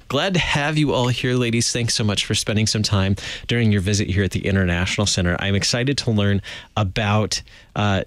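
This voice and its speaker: Friendly radio host guy, lowish voice, laughs a lot, dry studio mic. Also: no echo. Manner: friendly, chatty, laughs easily.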